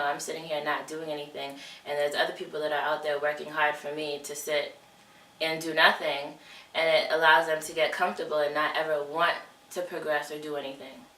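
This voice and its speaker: A woman's voice: sits low, pushed and bright. A woman giving a firm opinion in an interview. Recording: roomy and distant from the mic.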